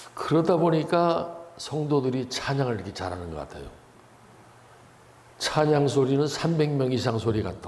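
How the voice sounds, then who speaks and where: Lively intonation comes at a fairly slow pace with long, frequent pauses, against noticeable background noise and audible room echo. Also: man. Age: 70s. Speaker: retired pastor, guest preacher. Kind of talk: sermon. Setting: church service. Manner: animated.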